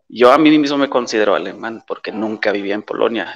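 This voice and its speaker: Man speaking at a moderate pace, with a dry, close sound and no echo. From western Germany, near Dutch border. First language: Polish and German (speaking Spanish). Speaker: German expat. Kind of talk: interview. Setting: video call. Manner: halting, many restarts.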